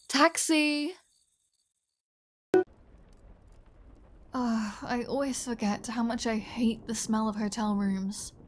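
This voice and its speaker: A woman's voice: on the high side, slow, heavy background noise. A woman playing a flirty, menacing vampire in an intimate ASMR audio roleplay, teasing and sardonic, sometimes slipping toward a whisper. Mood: wry, chatty. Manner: teasing, sardonic, drawling, drops into breathy whispers. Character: flirty, playful, menacing female vampire taunting a hunter.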